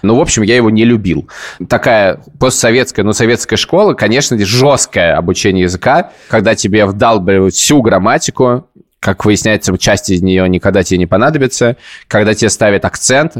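A man's voice: fairly low pitch, fairly quick. Man telling rambling self-ironic stories. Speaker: podcast host. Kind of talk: casual podcast chat.

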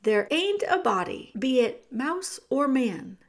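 A woman voicing a rough-spoken but soft-hearted kitchen cook who talks in a folksy dialect, coaxing and emphatic. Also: sits high, big pitch swings, slow pace, voice pushed up, heavily acted.

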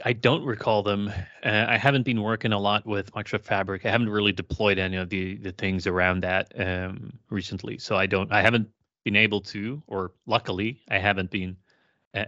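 A man's voice: lowish voice, brisk, gravelly, pushed and bright, no room sound, muffled recording. A man co-hosting a casual tech podcast, talking at length with many fillers. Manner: rambling, many "uh" and "you know" fillers. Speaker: podcast co-host.

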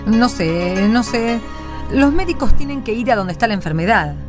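A woman with an Argentine accent acting a hesitant but loyal female disciple in a radio drama, protesting haltingly. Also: fairly high pitch, lively intonation, close to an everyday voice. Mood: hesitant, defensive. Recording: clear music behind.

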